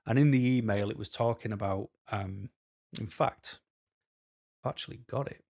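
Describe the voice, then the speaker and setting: A man speaks to camera in a casual, rambling way, his voice sitting a little low and slightly hoarse. He is frank and unpolished, pausing often with ums as he talks. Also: a little mellow. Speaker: vlogger. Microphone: camera mic.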